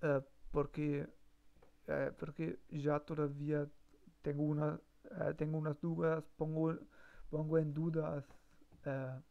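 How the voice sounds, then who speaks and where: A man's voice: fairly high pitch, level tone, takes it slowly, gravelly. A man practicing on a live stream, hesitant, full of fillers and self-corrections. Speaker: language learner streamer. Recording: dull lo-fi stream mic.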